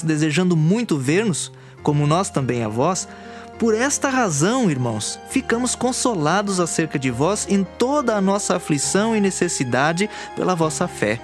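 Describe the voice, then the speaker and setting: Man, Brazilian accent, somewhat high pitch, earnest declamatory scripture narration, scripted, music underneath. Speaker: scripture reader. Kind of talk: scripted dramatic audio Bible reading. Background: background music.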